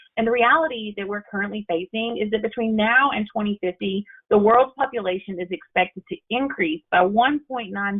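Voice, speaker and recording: Talking at a fairly quick pace, a woman in a Southern US accent uses a medium pitch with ordinary pitch variation. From US South. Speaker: engineer and webinar presenter. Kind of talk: webinar presentation. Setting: online webinar.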